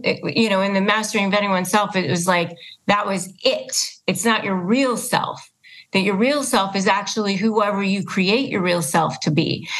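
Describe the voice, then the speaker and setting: A woman's voice: medium pitch, fairly bright tone, low-quality recording. A woman hosting a podcast interview in a conversational style, often circling back to rephrase her point. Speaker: podcast host.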